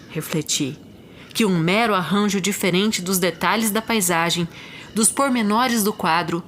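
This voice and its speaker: A woman with a Brazilian accent narrating a classic short story as an audiobook, in a measured, expressive literary reading. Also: mid-range voice, a little hiss or hum. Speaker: podcast host and literary narrator. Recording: music behind the voice.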